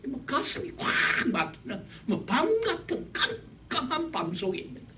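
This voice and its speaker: A male pastor delivers a sermon in an emphatic, repetitive style, his voice rising high and leaping across a wide range. He sits back from the microphone, and a faint hiss runs underneath. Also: sing-song, normal speed. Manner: emphatic, repetitive preaching with wide swings in loudness. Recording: distant mic with faint background hiss.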